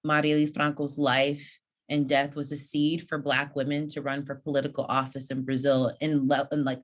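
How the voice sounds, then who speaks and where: A woman from Texas talks as a podcast guest about her research and organizing. Her voice is notably low, and her tone stays chatty and lively. She laughs easily and throws asides to the listeners. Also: normal speed. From United States (Houston, Texas). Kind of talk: casual podcast conversation.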